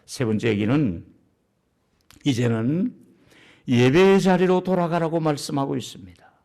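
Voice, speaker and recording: A man's voice: a little high, moderate pace, gravelly, a little mellow. A male pastor preaching a sermon in an emphatic, colloquial way, driving points home with repeated punchy endings.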